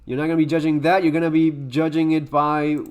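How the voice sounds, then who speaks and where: A man's voice: a little high, level tone, quick pace, darkish tone, clean tone. Hesitant man giving reaction commentary. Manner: hesitant, restarts often, opinionated asides. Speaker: YouTube host reacting to a video.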